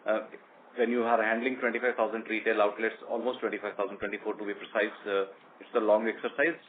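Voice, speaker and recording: A man with an Indian accent answering questions as a company executive on an earnings conference call, explaining in a measured, halting way. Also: lowish voice, flat delivery. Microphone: conference call line. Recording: tinny conference phone line with noise.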